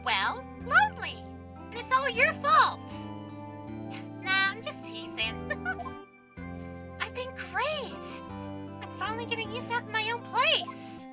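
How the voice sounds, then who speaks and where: A woman voicing a bubbly, teasing teenage girl who is heard over the phone, high and playful. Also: big pitch swings, takes it slowly, long pauses, heavily acted. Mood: chirpy. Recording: distant from the mic, loud music behind.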